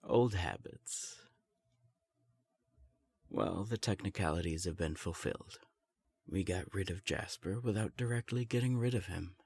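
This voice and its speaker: A man playing a formal vampire elder in an audio drama, measured and dryly condescending. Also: low-pitched, gravelly, darkish tone. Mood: coolly formal.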